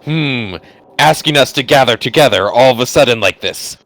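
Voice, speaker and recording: A man's voice: mid-range voice, normal speed, fairly bright tone, lightly acted, low-quality recording. A man voicing an earnest, mild, worried teenage boy in an amateur playthrough of a game. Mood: earnest, uneasy. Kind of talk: amateur voiced playthrough of a visual novel game. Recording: faint background noise.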